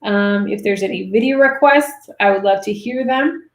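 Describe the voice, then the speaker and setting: A woman in her thirties chats loosely through a livestream, with plenty of fillers, and her voice is getting raspy. There's a gravelly fry under her mid-pitched talk, and the room gives back a noticeable echo. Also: moderate pace. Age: 30s. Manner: chatty, reads viewer comments, many fillers. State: voice going raspy. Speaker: livestream host answering money questions. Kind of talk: casual livestream chat. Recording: roomy echo.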